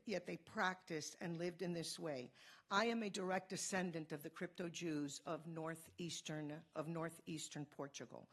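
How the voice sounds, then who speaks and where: A woman from Cuba giving a fast, earnest conference talk, telling a personal story. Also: lowish voice, breathy edge. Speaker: conference speaker.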